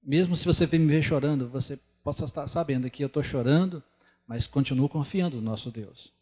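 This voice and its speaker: A middle-aged man with a Brazilian Portuguese accent preaching a sermon in a church, speaking earnestly and conversationally with pauses. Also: fairly high pitch, mellow, slightly rough. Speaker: lay preacher. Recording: church hall reverb.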